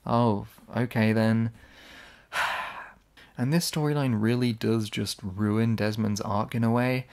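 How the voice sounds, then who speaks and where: A man's voice: mid-range voice, steady tone, unhurried, a little mellow. A man giving casual, sarcastic video essay commentary. He is blunt, swears when annoyed, and his voice sounds slightly worn.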